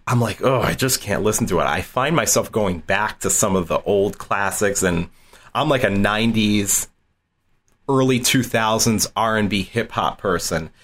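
Lively, laughing man with a lowish voice. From southeastern Massachusetts, US. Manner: animated storyteller who laughs often and repeats words. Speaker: college dean, interview guest. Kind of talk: casual interview storytelling.

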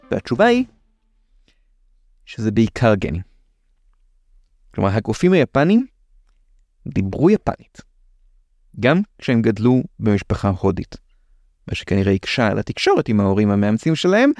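גבר ישראלי בקול חורק, מסביר בשיחתיות. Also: male voice, mid-range voice, a little mellow, no echo. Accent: Israeli. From Israel. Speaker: host of a science explainer show. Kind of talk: conversational explanatory narration.

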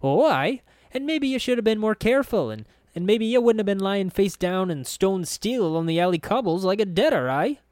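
A scornful young street girl played by a man speaks in a thick brogue, pitched well up. She is snappish and slangy in this fantasy audio story, and the sound is close and dry. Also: big pitch swings, moderate pace, few pauses, darkish tone, no echo. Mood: scathing.

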